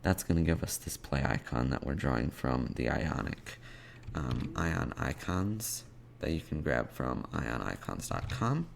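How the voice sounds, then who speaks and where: A man hosting an informal coding screencast tutorial, thinking aloud in halting short fragments as he works. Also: extremely low pitch, sing-song, gravelly, a little hiss or hum. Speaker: web development tutorial host. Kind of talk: informal screencast coding tutorial, explaining steps while typing. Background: computer keyboard typing and clicks.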